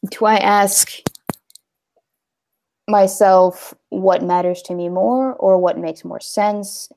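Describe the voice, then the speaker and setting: A woman's voice: mid-range voice, fairly even intonation, takes it slowly, gravelly, a little mellow. A young woman hosting a casual livestream, talking in a rambling, hesitant way with many fillers. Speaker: livestream host.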